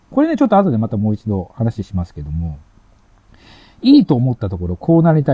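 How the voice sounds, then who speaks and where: Here a man talks at a fairly quick pace. His medium-pitched voice is somewhat breathy. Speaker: podcast host and company executive. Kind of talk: talk to staff at training session. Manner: casual, many filler words.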